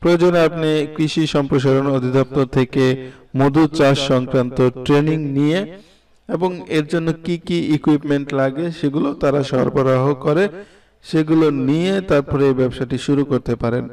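A man's voice: a little high, steady tone, moderate pace, darkish tone, distant mic. A young man from Bangladesh with a Bangladeshi accent, hosting an explainer video and addressing the viewer directly. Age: young adult. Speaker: video host. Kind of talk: explainer narration of business ideas.

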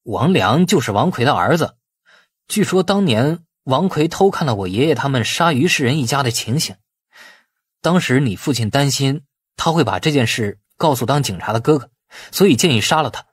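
A man's voice: mid-range voice, animated, normal speed, husky, no room sound, studio quality. A man voicing a deferential, placating nephew in an audiobook drama. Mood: placating, explaining. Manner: explaining, placating.

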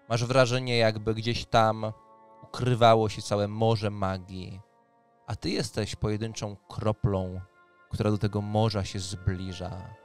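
A man's voice: on the low side, clear, resonant tone. A man, narrating a tabletop fantasy game as game master on a close microphone. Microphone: close microphone on an arm, headset.

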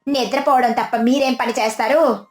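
A woman voicing a sharp-tongued village wife in a storybook tale, mocking and theatrical, with a greedy streak. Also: on the high side, steady tone, a little fast, natural voice. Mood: mocking, scolding. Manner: scolding, sarcastic, theatrical. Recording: music behind the voice.

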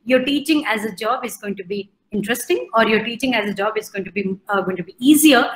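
A woman's voice: fairly high pitch, fast talker, echoey room, rough recording. A middle-aged woman from Odisha with an Indian English accent, giving an online lecture with many fillers and restarts as she poses questions to the class. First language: Odia. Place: indoor room. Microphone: video call.

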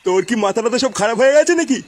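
A man's voice: very high voice, animated, racing. A man voicing a grumpy older village father in a comic cartoon, coarse and scolding.

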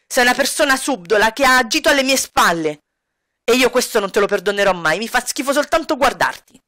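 A woman's voice: fairly high pitch, expressive, a little fast, pushed and bright, dry recording, clean studio sound. A woman voicing an angry grown man, a fed-up father who speaks coldly and accusingly in acted dialogue for a life-sim game. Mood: bitter. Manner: cold, bitter, accusing.

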